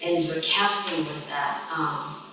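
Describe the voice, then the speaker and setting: A middle-aged woman from Japan gives an unscripted artist talk, pausing often as she searches for words. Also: sits low. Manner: halting, searching for words, many pauses. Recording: echoey hall, distant mic, faint ambience.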